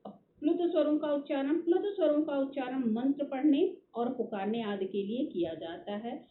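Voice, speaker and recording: A woman teacher repeats each definition twice at a slow dictation pace, drawing out vowel sounds to show them. Her fairly high voice moves up and down a lot. The tinny phone recording carries room echo and faint background noise. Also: animated. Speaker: school Hindi teacher. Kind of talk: recorded online grammar lesson.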